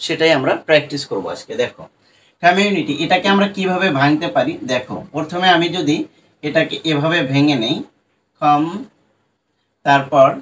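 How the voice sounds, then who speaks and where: A man teaching English pronunciation in an online lesson, patiently breaking long words into parts and repeating them slowly. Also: a little high, slight background noise, low-quality recording.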